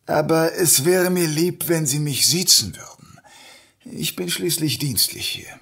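An actor playing a courteous, probing young police inspector in a sci-fi audio drama, speaking formally with a husky voice. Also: male voice, fairly high pitch, measured pace, a bit bright, exaggerated voice. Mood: polite, businesslike. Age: young adult.

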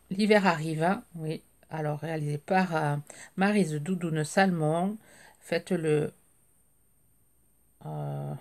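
A middle-aged woman, slightly hoarse, chatting hesitantly with many fillers as she opens craft mail at home. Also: low-pitched. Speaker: craft vlogger. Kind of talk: casual chat while unboxing mail. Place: craft table indoors, home.

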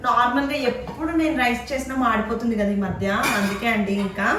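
A woman's voice: on the high side, quick pace, heavy background noise. Chatty young Indian woman vlogging. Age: young adult. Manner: chatty, explanatory, addresses viewers directly. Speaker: home vlogger. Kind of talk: casual vlog narration, chatty kitchen tour.

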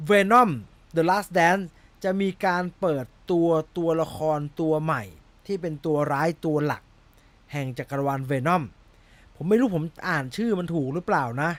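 Chatty Thai man with a high voice. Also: a little slow, fairly bright tone, no room sound. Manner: rambling, laughs at himself, fumbles over a name. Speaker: movie news host. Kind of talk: casual chat about film news.

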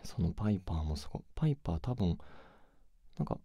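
A man murmurs casual pillow talk right by the listener's ear. His voice is low, husky and breathy, mostly whispered. The binaural recording is close and dry, keeping the chat intimate. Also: very animated, fast talker, warm tone, no echo. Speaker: host of a pillow-talk audio series. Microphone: close binaural microphone.

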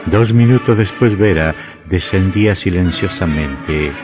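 A man narrating a radio drama in a measured, suspenseful way. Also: low-pitched. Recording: dull lo-fi audio with faint music.

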